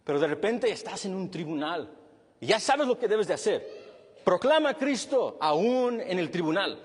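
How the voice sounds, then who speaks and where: Man, pastor, sermon, high voice, husky, long hall reverb. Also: normal speed. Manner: animated preaching, rising and dropping to quiet.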